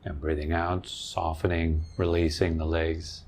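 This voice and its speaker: A man leading a guided meditation as a teacher, giving calm, gentle instructions in short phrases with long pauses. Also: rumbling low, slight background noise. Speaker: meditation teacher and podcast host.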